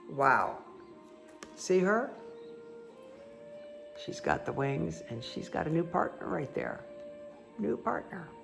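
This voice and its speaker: A woman with a croaky voice giving a casual, chatty tarot card reading that speaks directly to the listener. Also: low voice, big pitch swings, slow pace, pauses often. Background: background music.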